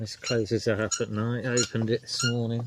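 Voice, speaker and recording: Noticeable background noise runs under a man with a West Country accent. He talks at a moderate pace and medium pitch. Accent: West Country farmer-like. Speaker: gardener vlogger. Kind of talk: casual vlog walkthrough. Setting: outdoors in a polytunnel. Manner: casual, halting with many ums.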